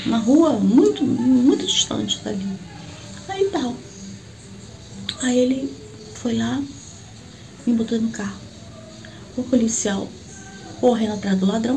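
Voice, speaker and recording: A middle-aged woman with a Brazilian Portuguese accent gives a personal faith testimony, speaking as a church prophet. She tells her story in an animated way and acts out the dialogue with sudden leaps in pitch. Her voice is mellow, with a faint hiss behind it.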